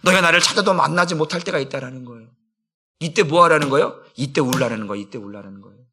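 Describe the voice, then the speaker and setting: A middle-aged man, a senior pastor, preaching a sermon in a church, swinging between loud exclamations and hushed low lines. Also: fast talker, breathy edge. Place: church sanctuary.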